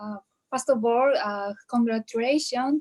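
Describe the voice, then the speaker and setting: Speaking with a Japanese accent, a woman uses a fairly high pitch and fairly even intonation, with a dry, close sound and no echo. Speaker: coaching graduate. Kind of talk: personal testimony. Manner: halting, many fillers.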